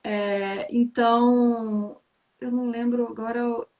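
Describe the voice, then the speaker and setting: Brazilian woman host, chatty storyteller, slightly high pitch. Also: slow pace. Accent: Brazilian Portuguese. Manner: animated storyteller, frequent tag questions. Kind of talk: casual chat.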